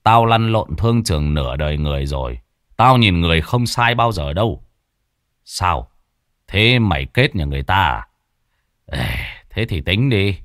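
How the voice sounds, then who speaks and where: A man voicing a gruff middle-aged businessman father who talks bluntly, hesitating before he turns bossy. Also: deep voice, very animated, normal speed, fairly bright tone, dry recording, clean studio sound, voice pushed down.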